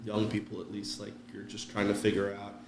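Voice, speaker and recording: Low-voiced man in an echoey room. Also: monotone, a little fast. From Trinidad. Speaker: podcast guest, realtor. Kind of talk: conversational personal storytelling. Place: indoor room, podcast recording. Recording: echoey room with faint noise.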